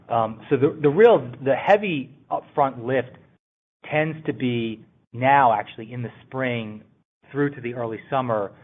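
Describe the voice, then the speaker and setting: A man speaking as a company executive, answering questions on an earnings conference call in a halting way, pausing mid-phrase. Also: mid-range voice, slightly rough. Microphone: telephone conference call. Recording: tinny narrow phone line.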